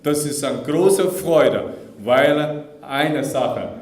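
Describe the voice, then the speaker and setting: A man interpreting a sermon live, measured and earnest, sometimes restarting a phrase. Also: a little high, a little mellow, reverberant. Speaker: German interpreter. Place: school assembly hall.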